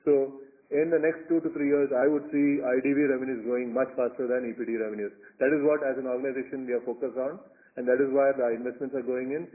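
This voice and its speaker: A man's voice: mid-range voice, steady tone, fast talker. Indian-accented male executive on a tinny phone line. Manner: hesitant, repeats words while explaining. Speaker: company executive. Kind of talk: earnings call answers, unscripted. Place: conference call over phone line.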